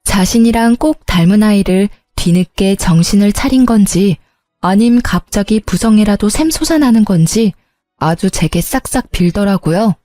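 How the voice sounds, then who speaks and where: A woman's voice: medium pitch, animated, moderate pace, mellow, no room sound, faint music behind. A woman narrating her own story in the first person, in a resentful, confessional tone.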